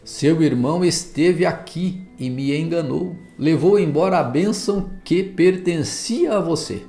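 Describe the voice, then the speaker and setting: A man with a Brazilian Portuguese accent reading the lines of a solemn old father in a Bible story, grave and measured, his voice gravelly. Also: a little high, dark tone, faint music behind, voice pushed up.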